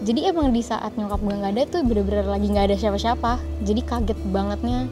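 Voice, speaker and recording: A woman's voice: medium pitch, fast talker. Candid woman in her twenties. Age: 20s. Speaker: student. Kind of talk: casual conversation. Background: music.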